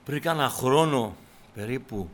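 A man preaching a sermon to his congregation, breaking into loud cries and then dropping back to a low, quiet voice. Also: expressive, slight background noise. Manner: shouts in bursts, then drops to a low, quiet tone; addresses the congregation as brothers.

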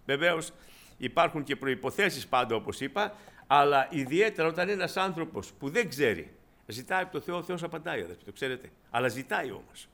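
Male preacher, slightly higher pitch, conversational sermon delivery, speaks to the congregation as brothers, hushed emphasis. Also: lively intonation. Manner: voice drops low and quiet at moments of emphasis.

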